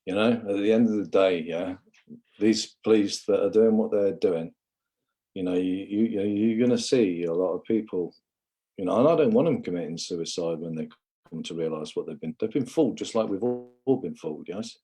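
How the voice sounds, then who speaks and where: A man's voice: sits low, moderate pace, mellow, slightly rough. A man from England giving a rambling, impassioned livestream monologue, often calling viewers "guys".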